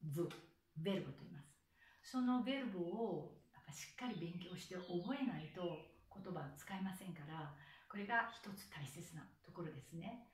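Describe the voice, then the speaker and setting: A woman's voice: fairly low pitch, expressive, roomy sound, recorded from a distance. A woman, a soprano, giving a pronunciation lesson and patiently sounding out syllables one by one. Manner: patient, slow demonstrative enunciation of syllables. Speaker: soprano and singing teacher.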